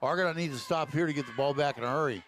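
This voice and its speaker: A man doing live high school football radio commentary in short clipped phrases, building into an excited touchdown call. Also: racing, slight background noise. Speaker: play-by-play sports commentator.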